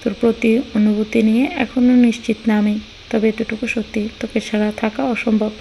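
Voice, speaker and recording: A bossy, teasing young husband from an audio storybook, brusque and scolding in his talk, as a woman reads him in a slightly high voice. A faint hiss sits under the reading. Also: little pitch movement, normal speed, vocal fry, warm tone, low-quality recording. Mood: earnest. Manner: brusque scolding, then earnest pleading.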